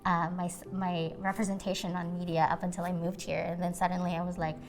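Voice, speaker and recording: A woman's voice: fairly low pitch, little pitch movement, fast talker. A woman, a Bisaya speaker, speaking earnestly and thoughtfully as an actress in a documentary interview. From Philippines. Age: 20s.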